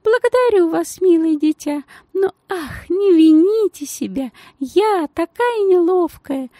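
A portly society lady in a storybook, her voice thin and piping, pitched far above the narration and swooping all over as she gushes. Her manner is affected and sugary, with a venomous edge underneath, as a woman narrator puts her on. The sound is close and dry. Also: lively intonation, unhurried, mellow, no room sound. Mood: gushing sweetly. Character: stout genteel lady, shrill, saccharine then venomous.

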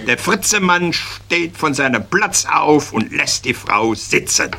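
Mann erzählt langsam Witze. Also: male voice, on the high side, lively intonation, vocal fry, pushed and bright. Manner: slow, deliberate storytelling. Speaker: comedian. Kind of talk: joke telling.

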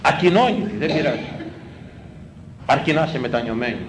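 A man, a priest, delivering a sermon in an emphatic, pleading way, repeating phrases and swinging between loud exclamations and hushed lines. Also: medium pitch, expressive. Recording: echoey room with faint ambient noise.

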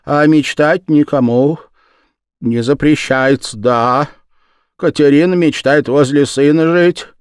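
A man's voice: fairly high pitch, slow, clear, resonant tone, dry recording, studio quality. A man reading aloud, voicing a wistful old woman who pleads and dreams of a home.

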